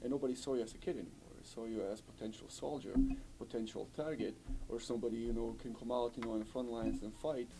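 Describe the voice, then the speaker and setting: A man's voice: medium pitch, steady tone, fast, hardly any pauses, very noisy. A man from Yugoslavia, recounting his story in an interview, talking fluently and saying "you know" often. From former Yugoslavia. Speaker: refugee interviewee. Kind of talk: recorded interview testimony.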